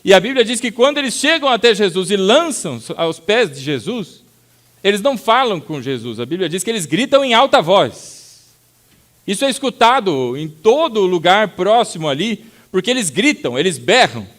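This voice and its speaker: A man with a Brazilian Portuguese accent preaching a sermon as pastor, telling stories with sudden loud acted-out outbursts and calling his listeners brother. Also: high-pitched, very animated, moderate pace. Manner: addresses the congregation as brother.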